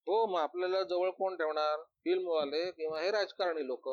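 A man's voice: high-pitched, steady tone, normal speed, dry recording, dull audio, close to an everyday voice. A man doing a confident, scheming ex-bodyguard. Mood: breezy. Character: adult male former bodyguard, confident and scheming.

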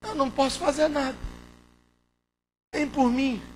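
A hoarse male pastor preaching a sermon, moving from quiet, intimate talk to fervent shouting. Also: extremely high pitch, steady tone, a little slow, slight background noise.

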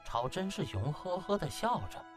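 Very animated male audiobook narrator. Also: high voice, normal speed, music in the background. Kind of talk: dramatic scripted storytelling.

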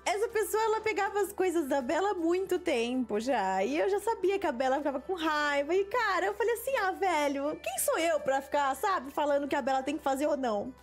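A young Brazilian woman tells a story in a casual, animated way, her voice high and full of swings in pitch. She acts out what people said as she goes, over faint music in the background. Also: a little fast, hardly any pauses. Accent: Brazilian Portuguese. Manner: animated, laughing storyteller who acts out quotes. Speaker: gaming video host. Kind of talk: casual storytelling while playing a game.

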